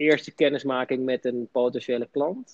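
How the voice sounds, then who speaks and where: Moving at a fairly quick pace, an unremarkable speaking voice keeps fairly even intonation. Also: man. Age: 40s. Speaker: sales company owner and podcast co-host. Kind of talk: casual chat.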